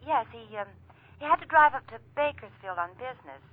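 An actress playing an evasive nightclub singer, speaking haltingly in 1940s radio acting style. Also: female voice, high-pitched, lively intonation. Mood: guarded. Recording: tinny vintage radio, phone-like.

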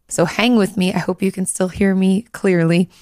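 A woman hosting a podcast, a little hoarse, chatting casually and hedging with frequent likes and restarts. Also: mid-range voice, fairly even intonation, a little slow, darkish tone, dry recording, studio quality. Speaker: podcast host, therapist.

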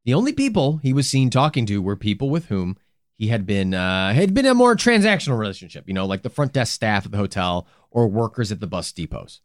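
A man co-hosting a true crime podcast, retelling the case in an animated, joking way with casual swearing. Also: fairly low pitch, a little fast, dry recording, studio quality. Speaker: podcast co-host.

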